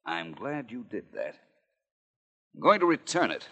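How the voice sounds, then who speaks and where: An actor playing a tough, cool, determined private detective in an old-time radio drama, with clipped, menacing delivery. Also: male voice, medium pitch, big pitch swings, unhurried, highs cut off. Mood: cold anger. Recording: noisy, reverberant old radio recording.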